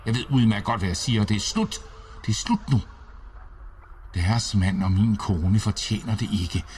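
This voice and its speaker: A man voicing a feverish, delirious army major who pleads and shouts in agitation. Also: fairly low pitch, lively intonation, recorded from a distance, a little hiss or hum, lightly acted. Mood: agitated.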